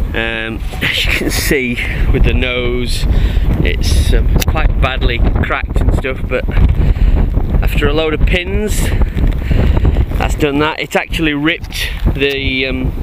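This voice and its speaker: Very slow speech with long, frequent pauses, a dry sound with no echo, and loud background noise. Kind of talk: casual vlog chat. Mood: relaxed, slightly amused. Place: open country. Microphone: phone near.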